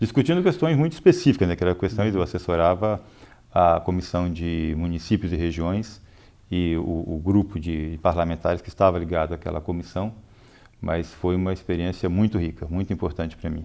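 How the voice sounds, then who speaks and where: With a very deep, low pitch and a dark, mellow tone, a man speaks at a fairly quick pace with an Espírito Santo accent, a calm tone and fairly even intonation, on a very clean recording with a silent background. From Brazil, Espírito Santo. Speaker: municipal finance secretary. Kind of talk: interview.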